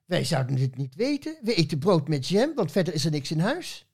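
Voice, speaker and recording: A man's voice: on the high side, sing-song, a little fast, husky, exaggerated voice. A man in his sixties voicing a pair of prim ladies in a rhyming poem. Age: 60s. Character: two prim, matter-of-fact ladies.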